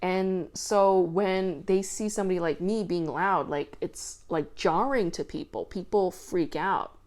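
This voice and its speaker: A woman hosting a podcast, talking loudly and casually with lots of fillers. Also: lowish voice, unhurried. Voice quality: loud voice. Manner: chatty, filler-heavy with frequent "like" and swearing. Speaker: podcast host. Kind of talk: casual commentary monologue.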